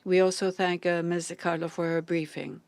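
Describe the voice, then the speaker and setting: A woman interpreter renders formal diplomatic speeches in a measured, deliberate way, often pausing on small fillers. Her voice sits a little low for a woman. The sound is dry and close, with no room around it. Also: little pitch movement, darkish tone, dry recording. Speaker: conference interpreter.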